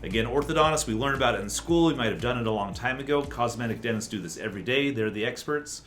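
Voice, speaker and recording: A man's voice: mid-range voice, fast talker, a bit bright, soft background music. A man answering viewer questions as an orthodontist, in a casual, methodical, matter-of-fact and reassuring explanatory way.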